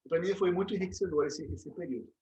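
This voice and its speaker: In a relaxed interview, this guest, a Brazilian-Portuguese-accented dentist and program director, tells stories quickly and animatedly, often restarting and tagging lines with "né?". He has a slightly high voice, heard through a muffled recording.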